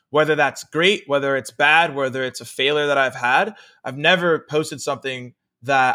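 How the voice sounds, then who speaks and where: Speaking at a moderate pace with an American accent, a man has an ordinary speaking voice, a fairly high pitch and ordinary pitch variation. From US South, Atlanta, Georgia. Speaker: sales trainer. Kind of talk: interview. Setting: remote call.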